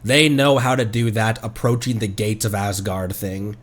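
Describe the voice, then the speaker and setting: A man's voice: on the low side, level tone, normal speed. A man streaming a game, giving casual, playful commentary as he plays.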